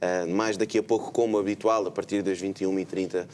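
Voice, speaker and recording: A man's voice: low-pitched, steady tone, fast, darkish tone, slight background noise. A man with a European Portuguese accent hosting a live religious TV program, talking with many hesitant filler sounds. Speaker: host.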